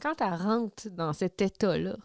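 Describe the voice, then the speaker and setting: A Québécois woman co-hosting a rewatch podcast, talking at a middle pitch in a relaxed, slangy way and dropping in English words. The recording is close and dry. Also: a little slow, no echo. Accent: Québécois French. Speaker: podcast co-host. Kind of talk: casual recap chat.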